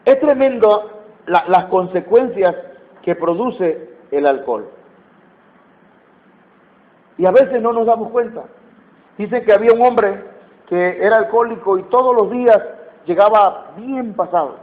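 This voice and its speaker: A man's voice: high voice, expressive, a little slow, long pauses. A Mexican man preaching a sermon, emphatic, repeating key phrases and questioning his listeners. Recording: tinny phone-like sound.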